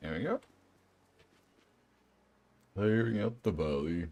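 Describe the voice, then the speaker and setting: A young adult man with a New Zealand accent and a deep, soothing voice, chatting casually and self-deprecatingly with his viewers while playing a game. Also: slow, gravelly, a little mellow. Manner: rambling, self-deprecating, sympathetic. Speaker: game streamer.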